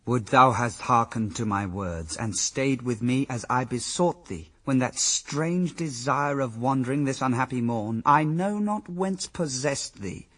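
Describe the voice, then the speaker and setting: An actor playing Adam, a bitter, reproachful first husband, declaiming formal accusing verse in a radio drama. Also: male voice, mid-range voice, animated, unhurried, hardly any pauses, fairly bright tone. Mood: regretful, reproachful.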